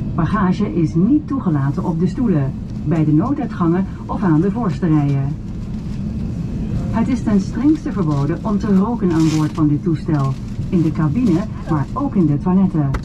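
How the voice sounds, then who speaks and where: Against noticeable background noise, a woman with a fairly low pitch talks at a moderate pace with lively intonation. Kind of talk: safety announcement. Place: plane.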